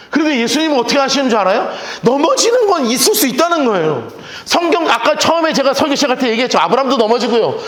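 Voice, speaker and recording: A high-pitched man preaching to his congregation, his voice rising and falling widely as he questions them and acts out the people in his story. The sound carries the long, echoing reverb of a large church sanctuary. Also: a bit bright. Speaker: pastor. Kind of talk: sermon.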